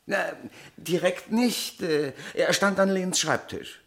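A man's voice: high-pitched, slow, a bit bright, full character voice. An actor playing a grumbling male office colleague questioned as a witness in a German crime radio play. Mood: grumbling, matter-of-fact.

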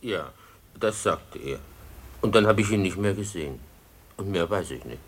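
An actor playing a deferential village witness in a German radio play, giving his account in a careful, halting manner. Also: sits low, animated, breathy edge. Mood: measured reporting. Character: hesitant, deferential village witness recounting an evening.

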